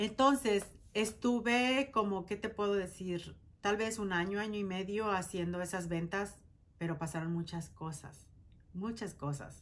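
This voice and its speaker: A woman with a Mexican accent speaks at a fairly slow pace with ordinary pitch variation. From Mexico, Veracruz. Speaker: beauty vlogger. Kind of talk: casual vlog monologue. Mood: candid, personal. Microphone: lapel.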